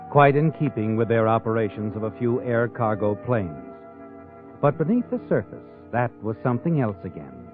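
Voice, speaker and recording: A man's voice: medium pitch, close to an everyday voice. An actor playing an ominous, knowing narrator of crime tales in a 1940s radio drama, taunting and theatrical as he addresses his character. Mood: sly, measured. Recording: tinny old radio recording, music behind.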